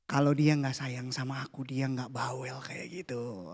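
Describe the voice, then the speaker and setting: A man, preaching a casual, playful youth sermon that drops to a hush for the prayers. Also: mid-range voice, flat delivery, measured pace, slightly rough. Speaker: youth pastor. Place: church hall.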